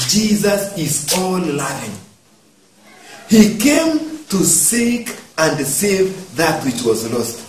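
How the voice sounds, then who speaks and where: A high, lively male voice delivers an animated sermon and keeps quizzing the congregation. He sounds far from the mic, and the church hall rings with strong echo under a faint hiss. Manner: animated, code-switching, asks the congregation questions. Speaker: preacher. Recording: echoey hall from a distant mic.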